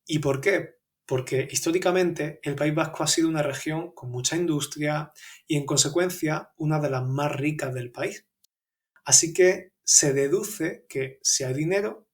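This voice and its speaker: Andalusian man telling a story, higher voice. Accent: Andalusian Spanish. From Andalusia, Spain. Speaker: podcast host and Spanish teacher. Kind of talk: scripted personal storytelling for learners.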